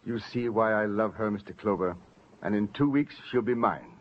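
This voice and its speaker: An actor playing an older, possessive fiancé with a smooth, self-mocking manner, in 1940s radio acting. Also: male voice, fairly low pitch, moderate pace, slight background noise, natural voice. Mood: smug. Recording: dull lo-fi old radio recording.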